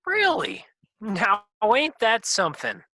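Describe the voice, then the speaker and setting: A woman's voice: medium pitch, huge pitch swings, slow pace, creaky, sharp tone, no room sound, clean studio sound, heavily acted. A woman playing a folksy, chummy regular guy at a party in a comedy sketch. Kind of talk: staged reading of comedy sketch.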